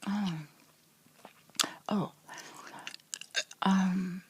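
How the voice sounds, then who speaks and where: A middle-aged woman whispering softly to her viewers in a rambling vlog chat, full of restarts and fillers. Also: medium pitch, steady tone, extremely slow, slight background noise. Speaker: vlogger.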